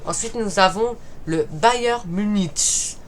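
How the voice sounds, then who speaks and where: A man's voice: high voice, slow. A man from Paris talking casually in an unscripted vlog, often stumbling and correcting himself as he goes. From Paris, France. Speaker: YouTuber ranking football clubs. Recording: noisy recording with clicks.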